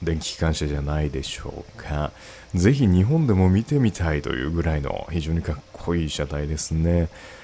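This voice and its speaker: Noticeable background noise sits behind a man's voice. He speaks at a very deep, low pitch with ordinary pitch variation. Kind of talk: game commentary.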